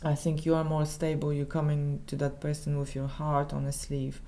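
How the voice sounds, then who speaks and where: A woman with a Polish accent, a native Polish speaker, giving a casual tarot reading in halting English with many restarts. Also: low voice, completely flat delivery, dark tone. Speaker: tarot reader.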